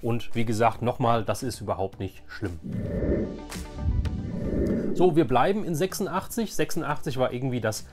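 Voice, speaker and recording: A man's voice: medium pitch, lively intonation, moderate pace, long pauses, a little mellow, soft background music. A man in his forties chatting casually and enthusiastically in a nostalgic vlog, rambling and repeating himself for emphasis. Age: 40s. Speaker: YouTube host. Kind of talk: casual nostalgic vlog chat about collecting.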